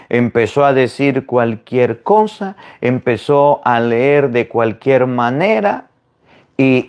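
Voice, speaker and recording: A man, a Catholic priest, preaching to viewers in an animated way, firing rhetorical questions. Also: medium pitch.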